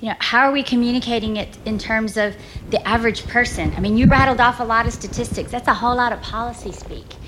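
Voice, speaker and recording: A woman's voice: on the high side, fast. A woman asking a question from the audience at a live event. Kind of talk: question from the floor. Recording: clearly noisy live room pickup.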